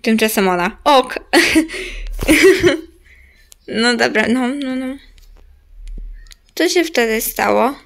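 A woman's voice: a little high, slow, vocal fry, pauses often, smooth. A woman giving casual gameplay commentary, chatty and repetitive, talking straight to her viewers. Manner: chatty, repeats herself, talks straight to viewers. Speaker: gaming channel host.

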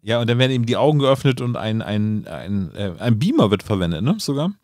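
A man's voice: fairly low pitch, big pitch swings, a little fast, a little mellow, dry recording. A man co-hosting a podcast, chatting casually with the others. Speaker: podcast host. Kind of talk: casual chat.

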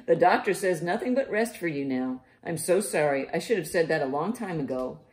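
A woman's voice: sits low, expressive, fairly quick, darkish tone. A woman voicing a caring, worried mother bee in a children's storybook read-aloud. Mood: concerned.

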